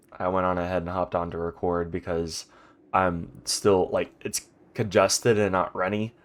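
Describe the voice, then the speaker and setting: A man hosting a game playthrough in a rambling, chatty way, his voice congested from a stuffy nose, recorded at home. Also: low-pitched. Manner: rambling, chatty, many ums and restarts. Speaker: let's play host. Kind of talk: casual gaming commentary. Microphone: home recording mic.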